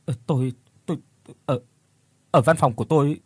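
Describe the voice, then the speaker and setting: A man's voice: on the high side, a little fast, darkish tone, slightly rough, dry recording. A man voicing a terrified young male office worker who stammers and screams in panic in a spoken horror story. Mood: stammering fear.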